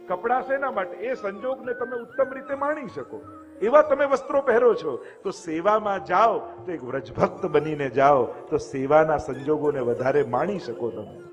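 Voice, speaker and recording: A man's voice: fairly high pitch, animated, normal speed, long reverb tail, lo-fi sound, soft background music. A man giving a devotional discourse, talking conversationally and asking the listeners rhetorical questions. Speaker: religious speaker.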